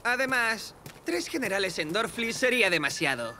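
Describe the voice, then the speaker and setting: A woman voicing a good-natured, modest young goatherd boy in an animated series, with a hesitant drawl. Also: mid-range voice, moderate pace, a little hiss or hum. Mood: wry. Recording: loud music under the dialogue.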